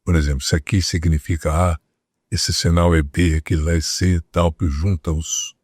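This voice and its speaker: A man's voice: low voice, little pitch movement, moderate pace, a little mellow, breathy edge, no room sound, clean studio sound. A man with a Brazilian Portuguese accent hosting a health talk show, asking his guests questions and passing on viewers' questions. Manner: asks questions, relays viewer questions. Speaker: host.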